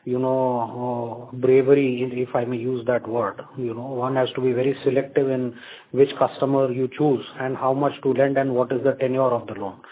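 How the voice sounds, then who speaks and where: Halting Indian man on a phone line. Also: medium pitch, level tone. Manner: halting, filler-heavy, repetitive. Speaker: company executive. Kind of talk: earnings call remarks and answers. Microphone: phone or conference line. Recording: tinny phone conference line.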